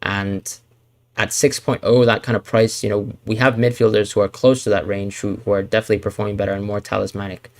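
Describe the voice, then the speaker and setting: Brisk and flat in delivery, this lowish-voiced man streams fantasy football Q&A live from Hong Kong. Answering chat, he hedges, thinks aloud, and keeps restarting with frequent fillers.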